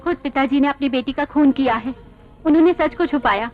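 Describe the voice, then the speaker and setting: A woman's voice: high-pitched, fairly quick, over loud music, lightly acted. A woman voicing an earnest, wise sister-in-law. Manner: earnest, persuasive. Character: wise elder sister-in-law, calm and moral. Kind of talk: Hindi film dubbing. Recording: tinny narrow film audio.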